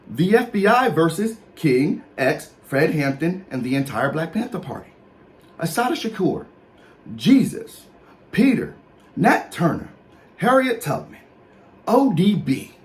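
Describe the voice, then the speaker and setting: In a small indoor room with posters, a high-pitched man in his thirties speaks African American English. He explains slang and reads out a list in an emphatic, mock-official comedic style, dropping in casual asides.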